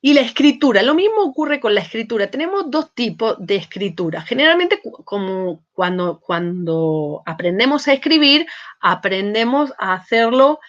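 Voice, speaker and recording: A woman's voice: fairly high pitch, big pitch swings, moderate pace. A woman giving a university lecture who keeps checking in with her students with "¿eh?" and "¿sí?" and often restarts her sentences. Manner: frequent checking tags "¿eh?" and "¿sí?", many restarts. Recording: slightly muffled lecture audio.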